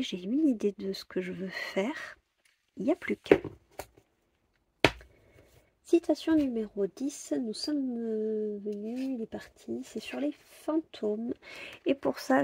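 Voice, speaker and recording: A woman's voice: on the high side, vocal fry, a little mellow, slightly rough. A woman chatting casually about her coloring plans, hesitant, with many fillers and repeated words. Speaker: coloring vlogger.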